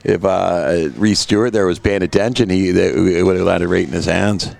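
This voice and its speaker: A man's voice: low voice, fairly even intonation, normal speed, creaky, a little mellow, no echo. A man giving easygoing color commentary on a local football game, explaining plays. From Canada. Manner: easygoing, analytical, many fillers.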